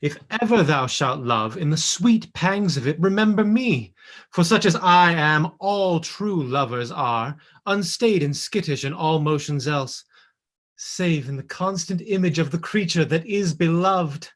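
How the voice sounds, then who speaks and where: A lovesick nobleman as an actor plays him muses ardently on love in heightened classical verse. The pitch sits in a middle range, and the delivery is moody and theatrical, heard over a home video call. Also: expressive, measured pace. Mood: yearning, musing. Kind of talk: classical Shakespearean stage acting.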